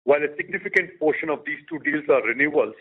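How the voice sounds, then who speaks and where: A man's voice: on the high side, slightly rough. Executive man on a tinny line. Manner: measured, reads figures in short phrases. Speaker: company chief executive. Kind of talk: prepared business update.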